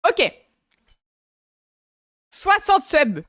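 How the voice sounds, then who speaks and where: A young woman streamer with a high, bright voice chats with her viewers in a loose, giggly way, breaking off often to react and laugh. The sound is dry and close, with no room around it. She is from France. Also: sing-song, extremely slow, no echo. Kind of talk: casual live-stream chat.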